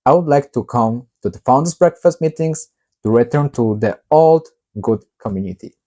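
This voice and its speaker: Guy reading his own novel out loud, warm mellow tone, steady with lots of little pauses. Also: mid-range voice. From Poland. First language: Polish. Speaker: author.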